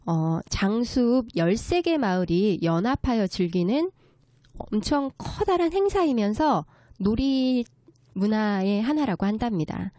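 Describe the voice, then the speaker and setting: A woman's voice: fairly high pitch, expressive, unhurried, warm tone, no room sound. A woman speaking as a guest expert, explaining local folk culture politely and step by step. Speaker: guest expert, children's story writer.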